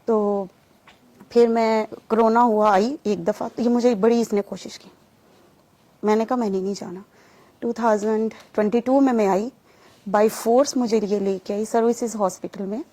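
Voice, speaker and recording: A woman giving a personal testimony in an interview, telling her story with lively acted-out dialogue. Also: mid-range voice. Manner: animated storytelling, acting out remembered dialogue.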